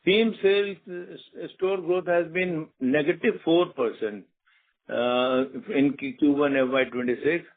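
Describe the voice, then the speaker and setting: A man's voice: on the high side, measured pace. A man, a company executive answering analysts on an earnings call, hesitating often with fillers and restarts. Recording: tinny phone line.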